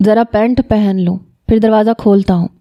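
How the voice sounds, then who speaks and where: A woman's voice: medium pitch, steady tone, lo-fi sound, lightly acted. A woman voicing a teasing young man. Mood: mock-innocent. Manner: teasing, mock-innocent. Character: young man, playful scheming cousin.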